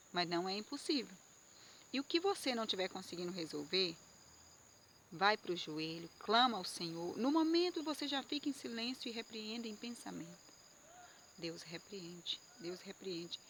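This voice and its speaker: A woman's voice: medium pitch, a bit bright, a little hiss or hum. A woman giving an earnest, emotional Christian testimony to viewers, with frequent fillers and repetitions. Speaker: Christian speaker. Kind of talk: personal testimony sermon to viewers.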